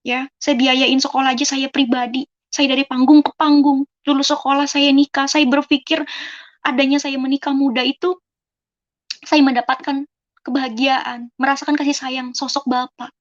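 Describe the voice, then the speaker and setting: A woman's voice: high-pitched, level tone, normal speed. Young woman telling her life story, muffled. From Indonesia. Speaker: testimony speaker. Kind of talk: personal life testimony.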